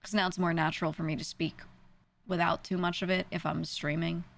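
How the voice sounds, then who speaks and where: A woman's voice: fairly low pitch, little pitch movement, brisk, creaky. A young woman with a New York accent, chatting casually on a stream, rambling and self-deprecating with frequent laughs. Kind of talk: casual stream chat answering viewers.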